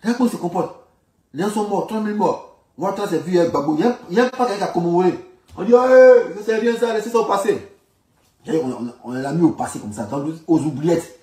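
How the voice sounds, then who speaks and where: This man's voice sits high and is expressive and mellow, and he's a fast talker. With an Ivorian accent he gives informal political commentary, colloquial and full of repeated phrases for emphasis. The room is echoey and he's far from the microphone.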